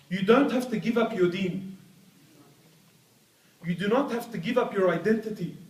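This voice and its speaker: Energetic male host in an echoey hall. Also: sits high. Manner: energetic, rallying crowd talk with slang like "bro". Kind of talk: live event introduction and interview. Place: hall with an audience. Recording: roomy hall, voice picked up from a distance.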